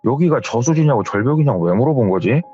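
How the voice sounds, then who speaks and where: A man's voice: medium pitch, animated, quick pace, warm tone, dull audio, faint music behind, close to an everyday voice. A man voicing a confused young male employee who stammers and answers deferentially. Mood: bewildered.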